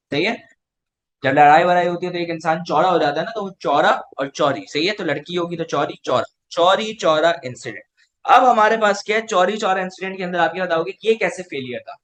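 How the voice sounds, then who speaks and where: A man teaching an online class in Urdu with a Pakistani accent, his voice pitched high. He keeps asking questions and answering them himself, and a faint hum of room noise sits behind him. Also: a bit bright.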